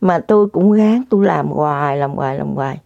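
A woman tells a story straight to her viewers, full of dramatic exclamations. Her voice is mellow and warm. The recording is dry and a little dull and lo-fi. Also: sits low, brisk, creaky, no echo.

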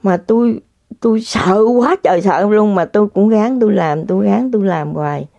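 A woman's voice: mid-range voice, normal speed, creaky, dark tone, no room sound. Dramatic woman storyteller. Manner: dramatic, exclamatory, speaks straight to the audience. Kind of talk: casual storytelling to viewers. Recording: dull lo-fi dry recording.

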